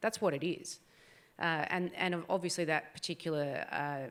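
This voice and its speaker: A woman talks with an Australian accent at a fairly quick pace. Her intonation stays fairly even. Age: 40s. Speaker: mining industry panelist. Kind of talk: panel discussion.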